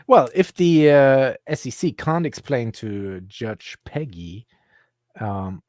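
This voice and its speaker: A man's voice: medium pitch, sing-song, takes it slowly, a little mellow, dry recording, clean studio sound. A man hosting a casual crypto podcast, chatty and laughing often. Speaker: host.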